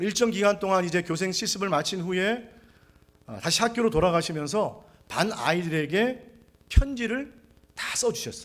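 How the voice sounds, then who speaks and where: The speaker goes at a moderate pace with long, frequent pauses on a very clean recording with a silent background. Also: man, high pitch for a man, ordinary pitch variation. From South Korea, Gyeongsang countryside then Seoul. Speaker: pastor. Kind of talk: sermon. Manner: halting, many fillers.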